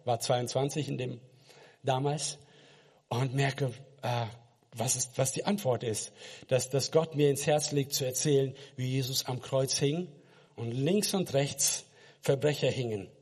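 A man's voice: mid-range voice, steady tone, a little slow, a little mellow, husky, big-room sound. A man from Kazakhstan, a missionary preacher, giving an earnest personal faith testimony and speaking directly to the listener.

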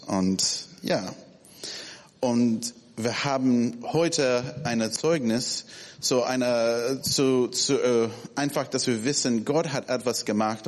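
A man in his forties, not a native German speaker, talking informally to a church gathering, halting and searching for words, with many restarts. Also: medium pitch. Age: 40s. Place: church hall. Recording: reverberant hall.

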